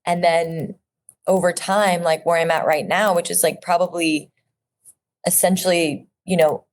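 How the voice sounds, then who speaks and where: A woman's voice: on the low side, steady tone, measured pace, slight background noise. A woman in her thirties from Orange County, speaking as an actress guest in a casual interview, earnest and reflective with frequent fillers and restarts. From Orange County, California.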